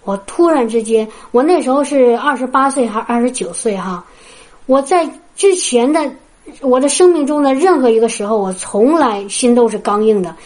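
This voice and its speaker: A woman from China preaches and tells her own testimony. Her voice sits high and bright in pitch. She talks earnestly and keeps turning to her listeners with questions. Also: expressive, moderate pace. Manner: earnest, storytelling, addresses listeners directly. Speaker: preacher at a healing prayer meeting. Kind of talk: sermon with personal testimony.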